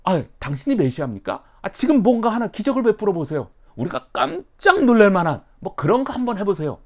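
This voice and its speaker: A man's voice: sits high, big pitch swings, a little fast, darkish tone, voice pushed up, full character voice. A man doing needling scholars demanding a sign. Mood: challenging. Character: challenging male religious scholars demanding a sign. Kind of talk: acted quote in a sermon.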